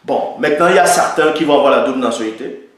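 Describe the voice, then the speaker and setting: A man's voice: mid-range voice, very fast. A man giving an opinion monologue and citing the Bible, emphatic and repeating his points for stress. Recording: very echoey room.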